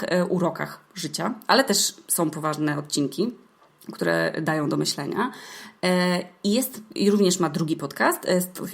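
Female podcast host, young adult, slightly low register. Informal monologue storytelling, slang-heavy, halting with hesitations. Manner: slangy, swearing, hesitant with filler sounds.

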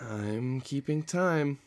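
A man playing a cocky, menacing villain in a romantic audio roleplay, taunting and self-assured. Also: mid-range voice. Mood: impatient, threatening. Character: cocky, menacing male villain, playful but threatening.

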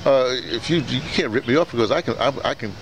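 A man's voice: medium pitch, fast talker. A man interviewing someone in a casual, rambling way, often stammering and repeating words and phrases. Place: outdoors beside a building. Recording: noisy outdoor camera sound, urban ambience.

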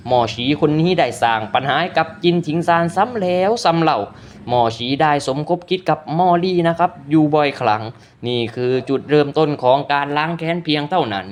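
Man narrating a story recap, fairly high voice. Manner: polite, adds frequent polite particles, loose retelling with self-corrections.

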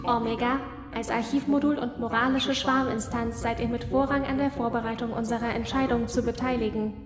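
In a huge echoing space with music behind, a commanding female machine intelligence played by an actress presides in a science fiction audio drama. Her diction is formal and deliberate, on a very even pitch. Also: lightly acted. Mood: measured, official. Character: commanding machine swarm coordinator Alpha, measured and authoritative. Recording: very echoey reverberant hall, music behind.

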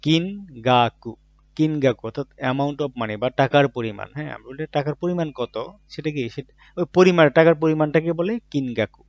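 Speaking at a moderate pace in a slightly high voice, a man teaches Japanese words in Bangla. He pronounces each one, then explains it through everyday examples, often asking and answering his own questions. The recording is dry, dull and muffled, made in a dry room.

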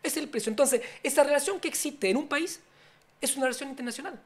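A middle-aged man from Chile who grew up in France, answering as a guest in a small studio. He talks earnestly and at length, circling back with fillers and restarts as he builds each point, close on a boom-arm studio mic. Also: fast. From Chile, raised in France. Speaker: guest, politician.

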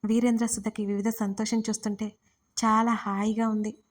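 A woman narrating a romance audio story she wrote, reading every part herself in an even, steady voice. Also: a little high, normal speed. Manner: reads all parts herself in an even, steady voice. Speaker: writer and narrator.

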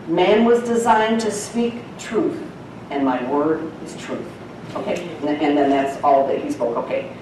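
A woman with a deep, slightly slow voice teaches the Bible to a church congregation in a folksy, chatty style, laughing often. She is recorded from far off in an echoey church sanctuary, with noticeable background noise.

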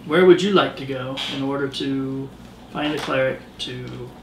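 A man's voice: medium pitch, moderate pace, slight background noise. Male game master, loose scene-setting with fillers; mic sits well back from him. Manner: loose descriptive narration with many fillers. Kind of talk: narrating a tabletop game. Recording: roomy distant recording.

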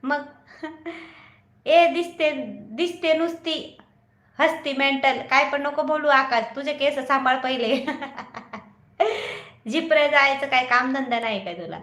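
A woman's voice: high voice, takes it slowly, long pauses, a bit bright, roomy sound. A woman hosting a casual livestream, chatting and teasing viewers by their comments and laughing often. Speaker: livestream host. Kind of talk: casual live chat reading viewer comments.

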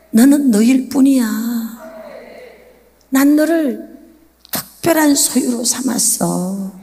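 A woman voicing God the Father, speaking in slow, drawn-out pronouncements that rise to shouts, with a long hall reverb. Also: fairly high pitch. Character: God the Father, gentle yet commanding.

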